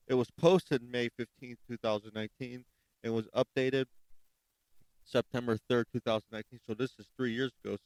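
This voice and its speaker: A man's voice: mid-range voice, smooth, no room sound, poor audio. Rambling man hosting a true crime podcast. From Chicago, United States. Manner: rambling, self-correcting, spells things out slowly. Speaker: podcast host. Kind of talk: casual true crime commentary.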